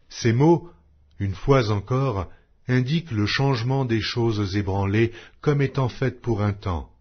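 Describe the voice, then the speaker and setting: A man with a low, husky voice reads scripture aloud as a solemn narrator. His delivery is measured and declamatory, rising and falling widely in pitch. The recording is dull and lo-fi. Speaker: audiobook narrator reading scripture. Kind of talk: solemn scripted Bible reading.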